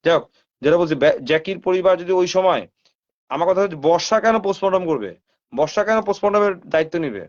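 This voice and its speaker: A man hosting a live stream with a slightly high voice. He comments casually, fires rhetorical questions at his viewers and drops English phrases into his talk. The sound is dull and lo-fi, like a live stream. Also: lively intonation, quick pace. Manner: talks straight to viewers, asks them rhetorical questions.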